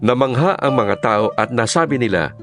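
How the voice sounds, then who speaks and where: A man's voice: mid-range voice, expressive, normal speed, fairly bright tone, faint music behind. A man narrating scripture as a scripted, dramatized storytelling reading.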